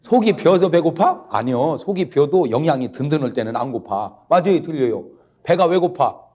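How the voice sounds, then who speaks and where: Husky-voiced man preaching with lively swings. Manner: jokey, keeps prodding the congregation with quick questions; swings between low asides and loud exclaims. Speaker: pastor. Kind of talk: humorous revival sermon.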